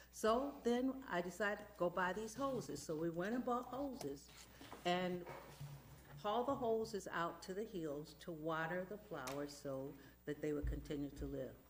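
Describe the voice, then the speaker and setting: Audible room echo surrounds a woman whose fairly low voice moves in very wide pitch swings at a moderate pace. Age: 70s. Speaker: community volunteer. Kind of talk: public comment at council meeting. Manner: halting.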